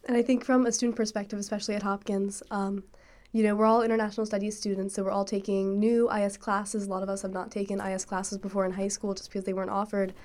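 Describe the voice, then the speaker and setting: A woman's voice: mid-range voice, level tone, fast, a little mellow. Young woman co-host, student, easygoing and reflective, mid-range voice. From Annapolis, Maryland. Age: young adult. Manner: friendly, thoughtful, with fillers. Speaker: podcast co-host. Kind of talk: casual student podcast chat.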